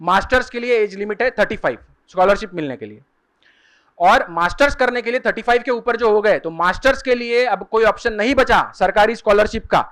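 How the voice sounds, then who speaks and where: A man giving a lecture at a seminar, explaining step by step and repeating key terms slowly. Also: high voice, animated, a bit bright. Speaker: career guidance speaker. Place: seminar hall.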